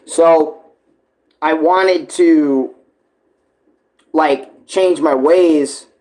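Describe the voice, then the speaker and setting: A man's voice: a little high, drawn-out words, a little mellow. A man giving casual live reaction commentary, rambling bluntly and informally with heavy swearing. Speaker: reaction streamer.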